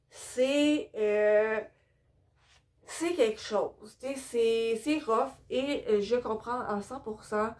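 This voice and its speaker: Chatty young Québécoise, slow and hesitant. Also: female voice, a little high. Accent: Québécois French. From Quebec. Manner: chatty, hesitant, many fillers, tired. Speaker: book vlogger. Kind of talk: casual book haul vlog. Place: indoor room with bookshelves.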